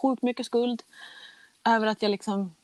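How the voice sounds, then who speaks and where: A woman's voice: on the high side, fairly even intonation, a little mellow, no echo. A young adult woman tells a personal story in a candid, chatty way and acts out the conversations she recounts. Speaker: guest telling her story.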